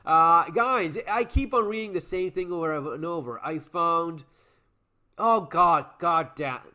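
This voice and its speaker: Brief: male host with a slightly high voice, emphatic and lively, swears casually while reacting to what he reads. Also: a little slow. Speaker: channel host. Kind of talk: casual commentary reading online comments.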